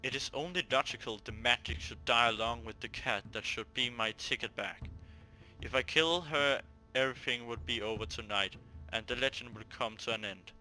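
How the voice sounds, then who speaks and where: A man hosting a let's play, reading a visual novel aloud and breaking off into animated, jokey asides. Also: mid-range voice, normal speed, rough recording.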